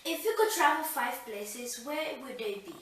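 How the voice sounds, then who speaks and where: A woman's voice: sits high, lively intonation, normal speed, recorded from a distance, a little hiss or hum. Young woman asking questions in an echoey room. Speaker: interviewer, younger sister.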